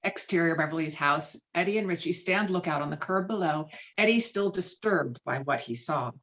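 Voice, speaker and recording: Low-voiced woman reading stage directions. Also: normal speed, fairly bright tone. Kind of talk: scripted narration at a table read. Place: remote virtual table read on a call. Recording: dull lo-fi video call audio.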